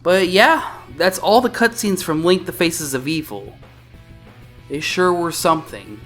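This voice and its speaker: A man hosts a casual game review in an informal, slightly sweary way. His pitch moves around a lot, and music plays clearly behind him. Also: animated, a little slow, fairly bright tone. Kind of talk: casual video commentary.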